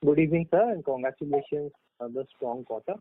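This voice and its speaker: A man's voice: on the high side, quick pace, dry recording. A man politely asking a question as an analyst on an earnings call. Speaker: financial analyst caller. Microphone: phone call. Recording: dry, tinny phone line.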